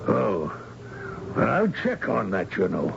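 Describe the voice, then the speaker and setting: Gruff, gravelly security bully. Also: male voice, fairly low pitch, huge pitch swings, slow pace, heavily acted. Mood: menacing, suspicious. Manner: gruff, uneducated, ungrammatical speech. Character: surly, bullying security enforcer with attack dogs. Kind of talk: radio drama acting. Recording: dull, noisy old radio recording.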